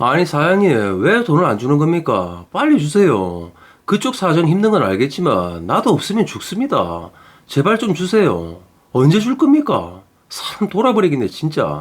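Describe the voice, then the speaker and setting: Using a put-on character voice, a man speaks at a moderate pace in a whiny tone with a high pitch. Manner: whiny, pleading.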